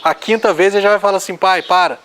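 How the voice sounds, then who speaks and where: High-voiced man preaching. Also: steady tone, very fast, clean tone. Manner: earnest, exhorting, reads scripture aloud. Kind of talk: sermon.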